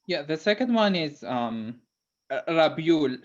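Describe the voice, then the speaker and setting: A man's voice: fairly high pitch, very animated, measured pace. A man with an Algerian accent co-hosting a live lesson, friendly and hesitant with many fillers. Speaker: co-host. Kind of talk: casual co-host chat on a live lesson. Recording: dull lo-fi call audio.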